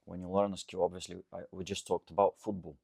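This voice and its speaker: A man's voice: sits low, level tone, quick pace, vocal fry, darkish tone, husky, no room sound, clean studio sound. A man from Bulgaria with a Bulgarian accent talks casually and unscripted as a coach, rambling a little and often checking with "okay?". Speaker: coach and host answering audience questions. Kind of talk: casual unscripted talk to camera.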